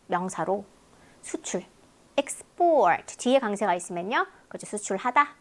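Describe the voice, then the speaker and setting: A woman English teacher talks through a lecture, explaining word after word in a chatty way. Her voice sits fairly high and swings widely in pitch. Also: normal speed. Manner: explains word pairs in a lively, talkative way.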